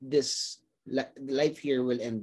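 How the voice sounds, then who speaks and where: A man speaks with a Filipino accent. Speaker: podcast host. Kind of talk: casual chat interview.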